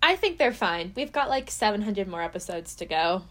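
A woman's voice: mid-range voice, big pitch swings, moderate pace, fairly bright tone. A woman co-hosting a casual podcast, recapping episodes with playful, laughing asides. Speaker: podcast co-host.

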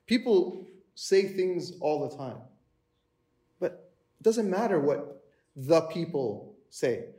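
A man's voice: fairly high pitch, very animated, takes it slowly, pauses often, dark tone. A man preaching a sermon in a conversational way, acting out the voices in the story he tells. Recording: echoey room.

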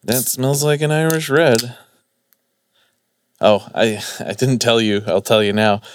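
A man's voice: mid-range voice, fairly even intonation, measured pace, slight background noise. A man hosting a podcast in casual, informal, unpolished chat. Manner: informal, sweary. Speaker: podcast host.

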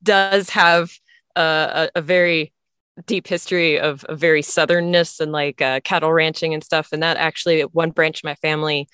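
A woman raised in the American South talks as a guest on an interview podcast. Her voice sits low and sounds smooth and resonant. She speaks hesitantly, often restarting her sentences, on a dry, close recording. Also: steady tone, normal speed, fairly bright tone, no echo. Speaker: author guest. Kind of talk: casual interview chat.

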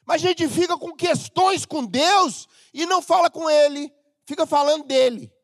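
A middle-aged Brazilian man preaching a humorous, animated sermon as pastor of a church, sometimes breaking into shouts. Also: extremely high pitch, normal speed, no room sound, studio quality. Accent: Brazilian Portuguese.

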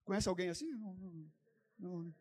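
Man preaching a sermon; dramatic, swings between shouting and soft asides. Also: sits high, steady tone, normal speed, slightly rough. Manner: addresses listeners as brothers, asks rhetorical questions.

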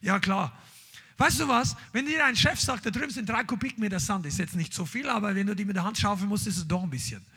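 Preacher guy, really high bright voice, husky, punchy sermon to the church. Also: expressive, a little fast. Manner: emphatic, mixes in English words, shouts interjections. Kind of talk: charismatic sermon. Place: church hall with congregation, streamed online.

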